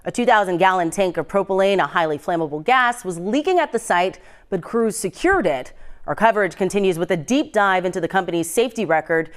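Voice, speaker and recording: A woman with an American accent reading scripted morning news as a television anchor in a studio. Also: lowish voice.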